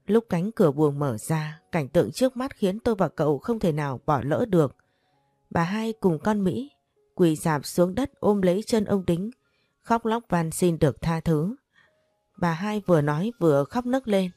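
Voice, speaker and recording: Woman narrator for a first-person story, mellow dark tone, dry close sound, soft music under. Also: fairly low pitch, lively intonation, normal speed, no echo.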